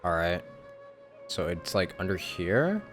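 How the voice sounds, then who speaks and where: A man's voice: low-pitched, sing-song, slow, faint music behind. A young man giving casual, joking, slangy live commentary as a game streamer.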